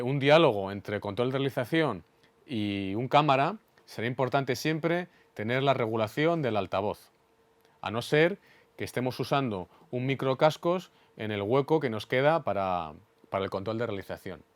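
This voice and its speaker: A man's voice: mid-range voice, animated, normal speed, no echo. Methodical Spanish man instructing, dry sound. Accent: Spain Spanish. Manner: clear, methodical, didactic. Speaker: instructor explaining studio equipment. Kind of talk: instructional demonstration.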